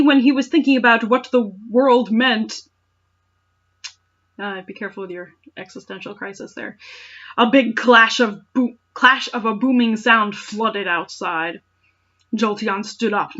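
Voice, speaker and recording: Woman, high voice, exaggerated story reading, mocking commentary, incredulous, sarcastic, lo-fi home recording. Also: a bit bright. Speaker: host reading fan fiction aloud. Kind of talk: dramatic reading with mocking asides.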